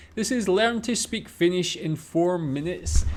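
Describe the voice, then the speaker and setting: A man's high-pitched voice with a Scottish accent. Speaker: reaction video creator. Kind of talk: reaction video commentary. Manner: casual, conversational.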